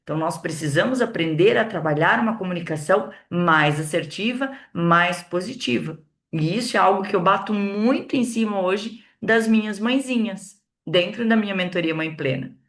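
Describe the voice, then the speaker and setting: Speaking to a women's group, a Brazilian communication coach and mentor delivers a motivational talk in a Brazilian Portuguese accent, with medium pitch and normal speed. She's expressive, purposely shifting loud and soft for emphasis, with calm, steady explanation in between.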